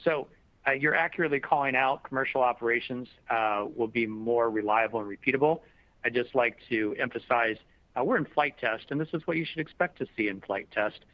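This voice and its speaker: A man speaking as a company executive, answering questions in a measured, diplomatic and explanatory way in a semi-formal business style. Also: mid-range voice. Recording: dull lo-fi conference call audio.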